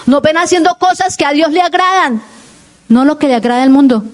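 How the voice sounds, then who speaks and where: A woman's voice: sits high, a little fast. A woman pastor, preaching a fervent sermon that keeps putting questions to the congregation. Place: church.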